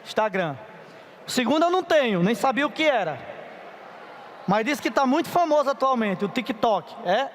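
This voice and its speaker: A man's voice: very high-pitched, big pitch swings, moderate pace, a little hiss or hum. A middle-aged man, preaching a chatty, playful sermon at a youth conference and asking the audience for help. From Paraíba, Brazil. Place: large conference hall. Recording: reverberant hall.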